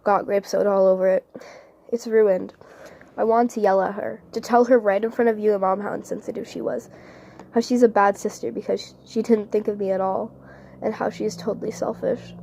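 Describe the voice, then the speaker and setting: A woman playing an earnest twelve-year-old girl in an audition monologue, soft-spoken, halting and sincere as she pleads with her father. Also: medium pitch, steady tone, gravelly, slight background noise, lightly acted. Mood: wistful, confiding.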